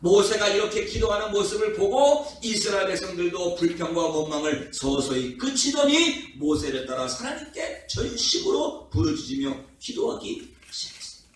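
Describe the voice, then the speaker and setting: High-pitched pastor preaching in an echoey hall. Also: male voice, sing-song, moderate pace. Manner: rising, impassioned preaching with rhetorical questions. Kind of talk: revival sermon. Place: prayer house worship hall. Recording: echoey hall from far off, faint noise.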